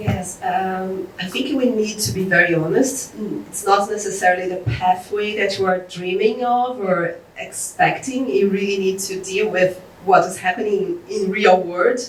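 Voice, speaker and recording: Audible room echo and noticeable background noise surround a woman's voice. She speaks at a moderate pace and medium pitch, with fairly even intonation. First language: not English. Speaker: neuroscientist and assistant professor. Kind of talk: interview.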